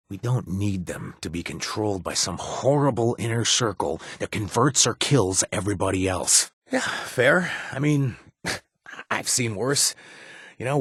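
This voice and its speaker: An actor voicing a chatty, self-deprecating young ex-raider bartender in a video game, with a husky voice. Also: male voice, mid-range voice, dry recording, clean studio sound. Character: wisecracking male ex-raider turned bartender. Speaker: companion character.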